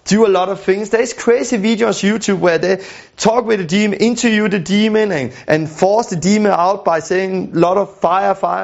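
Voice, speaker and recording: A man whose voice sits high and creaky gives an earnest lesson on deliverance ministry. He often repeats words and restarts phrases, captured on a dull lo-fi recording.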